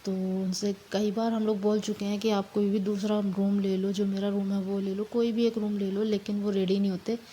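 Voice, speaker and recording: A young woman with a hoarse voice from a fever and sore throat, talking casually and haltingly in a home vlog while doing housework. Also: medium pitch, level tone, dark tone, slight background noise. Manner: tired, halting, apologizing for her voice. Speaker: family vlogger.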